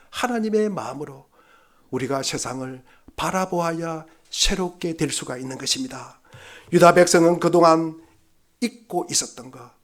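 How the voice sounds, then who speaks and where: Fervent high-voiced Korean pastor preaching. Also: male voice. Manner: fervent preaching, swinging from loud exhortation to hushed low passages; repeats phrases for emphasis. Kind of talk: Sunday sermon.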